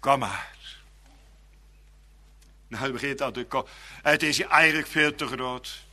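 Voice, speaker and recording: A man preaching a sermon in a church. He moves between hushed, slow pleading and raised, fervent preaching. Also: medium pitch, fairly even intonation. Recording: long church reverb.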